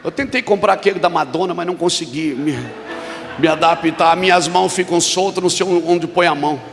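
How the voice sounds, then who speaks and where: A man preaching at a church conference, telling a story and then shouting emphatic declarations to the congregation. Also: fairly high pitch, fairly quick. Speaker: pastor. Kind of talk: sermon with storytelling. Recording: long reverb of a large hall with music.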